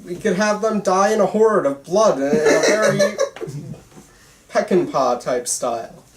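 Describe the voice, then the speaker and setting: A man's voice: high-pitched, expressive, unhurried. A man reads casual script dialogue at an amateur table read, taking his time. The room is echoey and he sounds a bit away from the mic. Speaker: table read participant playing a young filmmaker. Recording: echoey room, distant mic, faint noise.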